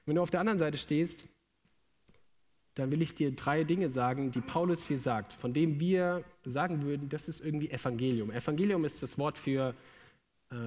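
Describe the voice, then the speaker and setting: A young man with a slightly raised voice preaches a sermon in a relaxed, humorous way, full of everyday slang. His voice carries a long reverb from the large hall around him. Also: a little high. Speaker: preacher, theology student. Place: large room with an audience.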